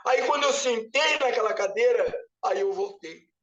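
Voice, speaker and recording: A man's voice: very high voice, moderate pace, fairly bright tone. A man, a pastor, giving an emotional testimony in church, weeping and pleading as he retells a vision. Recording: echoey room picked up from a distance, muffled.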